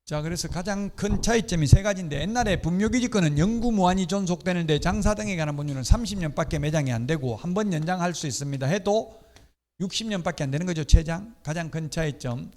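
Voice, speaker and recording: A middle-aged man teaches real estate law in an exam-prep lecture. His voice sits a little high, and he explains patiently with offhand personal remarks. The recording carries a long reverb, as in a lecture hall. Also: fast talker, a little mellow. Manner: explanatory, with casual personal asides.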